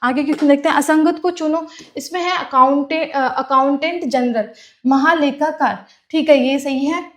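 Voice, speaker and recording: A woman's voice: sits high, normal speed. A woman teaching for a clerk exam, explaining terms by repeating them and asking and answering her own questions. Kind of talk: classroom lecture.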